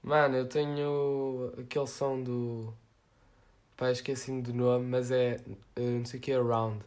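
A man's voice: medium pitch, flat delivery, unhurried, darkish tone. A young man with a European Portuguese accent, co-hosting a casual podcast, chiming in with short slangy replies. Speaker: podcast co-host. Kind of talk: casual chat.

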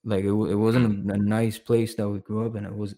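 A young man from Sri Lanka talking in a casual chat, halting and repeating words, with an intense edge. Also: on the low side, level tone, warm tone.

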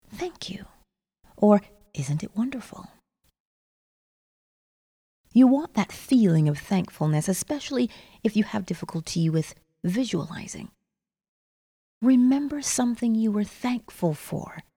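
A woman narrates a guided sleep meditation like a sleep story, soft and breathy, often near a whisper, in measured instructions with lingering pauses. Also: mid-range voice. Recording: long reverberant echo.

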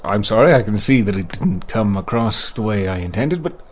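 Low-voiced, easygoing monster hunter. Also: male voice, animated, normal speed. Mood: sheepish. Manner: hesitant, rambling, munches while talking. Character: easygoing, boastful male monster hunter and tracker for hire. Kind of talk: audio drama dialogue.

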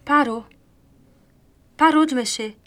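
A woman acting in a radio drama as a tough, stubborn, skeptical ex-detective, with an expressive Brazilian delivery. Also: sits high, slow pace. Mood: alarmed. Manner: expressive, exclamatory.

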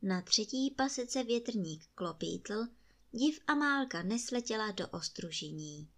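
A woman's voice: medium pitch, expressive, a bit bright. Woman reading a bedtime story.

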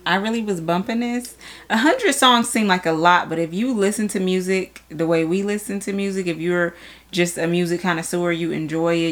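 A young adult woman talking casually as a podcast co-host. Her voice sits a little low, and she chats in a loose, slangy way. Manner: relaxed, conversational, uses slang. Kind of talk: casual chat.

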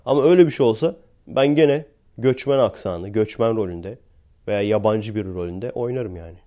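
Mellow-voiced man on a rambling podcast. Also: mid-range voice. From Turkey. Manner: chatty and sarcastic, rambling with frequent laughs. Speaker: podcast host. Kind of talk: casual podcast monologue.

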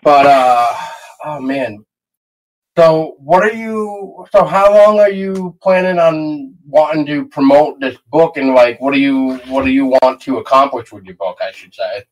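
A man's voice: on the high side, measured pace, low-quality recording. A man hosting a casual interview, hesitant and full of fillers as he talks. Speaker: podcast host.

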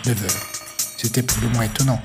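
A man narrating an audio story in a measured, steady way, with music underneath. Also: medium pitch, vocal fry.

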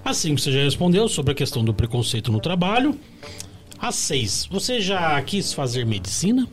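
Brazilian dude cohost, high voice, animated, jokey, reads the questions. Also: male voice, faint music behind. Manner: playful, quick jokes, reads questions. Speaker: co-host. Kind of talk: casual podcast chat.

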